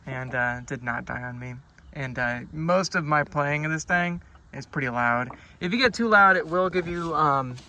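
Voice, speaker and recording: Casual male product reviewer, slightly high gravelly voice, laid-back and hesitant, unscripted. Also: pushed and bright, a little hiss or hum. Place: outdoors on a boat on a lake.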